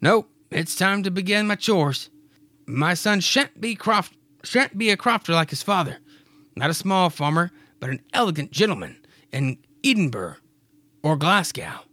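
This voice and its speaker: A proud, stubborn farmer husband who speaks in a raised, gruff voice with a brogue that keeps slipping, as a man acts him out. Dry and close, with no room sound. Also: high-pitched, big pitch swings, unhurried, bright, forceful tone, no room sound, voice pushed up, exaggerated voice. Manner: raised, gruff put-on voice with a wobbly attempted brogue.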